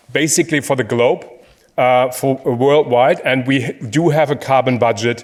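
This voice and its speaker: A man with a German accent talks at a fairly slow pace with fairly even intonation. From Germany. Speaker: professor, energy systems researcher. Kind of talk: conference talk.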